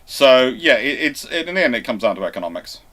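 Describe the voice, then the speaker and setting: A man's voice: mid-range voice, big pitch swings, fast, sharp tone. A man hosting an unscripted history Q&A, talking discursively and often reworking his sentences as he goes. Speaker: host of a live history Q&A show.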